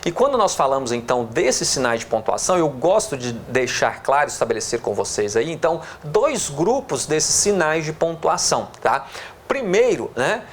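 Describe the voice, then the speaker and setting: A man's voice: fairly high pitch, sing-song, moderate pace, a little hiss or hum. A man with a Brazilian Portuguese accent teaching a lesson on punctuation. He explains step by step, drags out words while writing on the board and keeps checking in with "tá?" and "né?". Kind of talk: classroom lecture on punctuation.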